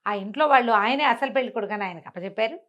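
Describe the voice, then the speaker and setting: A woman with a Telugu accent telling a folk tale in an animated, conversational way, posing questions and answering them herself as a storyteller. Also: on the high side, very fast, lo-fi sound.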